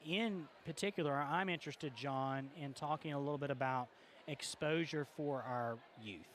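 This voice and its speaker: A man's voice: fairly high pitch, moderate pace, a bit bright, slight background noise. A man co-hosting a podcast, chatting enthusiastically from a busy convention exhibit hall. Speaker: podcast co-host. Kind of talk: casual interview chat.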